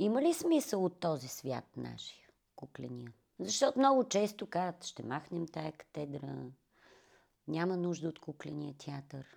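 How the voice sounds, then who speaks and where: This woman has a fairly low pitch, a dark, mellow tone and vocal fry. She speaks at a fairly slow pace with very wide pitch swings. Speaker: podcast host. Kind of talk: interview. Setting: workshop.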